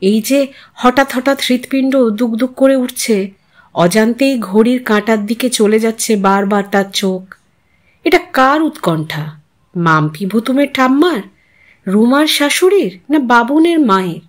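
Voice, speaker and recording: A woman reading a literary short story aloud as an expressive narrator and host. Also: a little high, measured pace.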